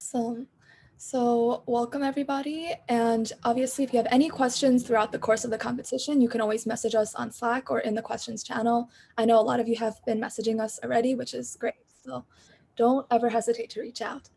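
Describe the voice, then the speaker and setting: A young woman hosting an online event opening, upbeat and welcoming, with a naturally quiet voice over a video call. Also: a little high, level tone, a little fast, gravelly, breathy edge. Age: young adult. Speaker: host and organizer.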